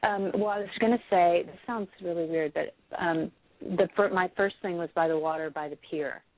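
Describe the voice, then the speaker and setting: A hoarse woman with a cold, giving a psychic reading to a caller, hesitant with many ums before firm predictions. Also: fairly low pitch, normal speed, no room sound. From United States. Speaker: psychic reader. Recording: dry, phone-quality sound.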